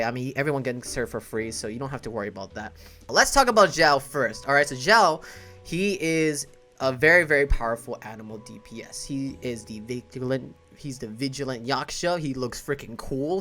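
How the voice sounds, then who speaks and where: A man's voice: on the high side, sharp tone. A man giving casual, explanatory game commentary in a conversational, emphatic way, as a content creator.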